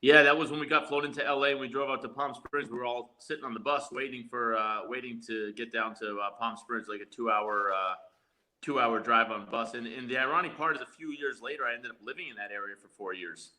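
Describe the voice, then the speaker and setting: A man's voice: medium pitch, brisk, sharp tone, poor audio. A man reminiscing in casual conversation as a guest on a podcast. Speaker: podcast guest, former wrestler.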